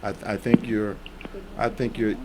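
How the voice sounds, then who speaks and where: Measured man in his sixties. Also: on the low side, level tone, very noisy. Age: 60s. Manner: plainspoken, measured, repeats phrases for emphasis. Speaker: radio talk show host. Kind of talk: call-in talk show.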